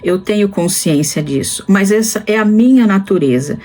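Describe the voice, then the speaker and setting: Woman in her fifties, from Brazil, casual vlogger, slow and deliberate, pauses often. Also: medium pitch, animated, a little mellow. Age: 50s. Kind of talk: casual reflective talk to camera.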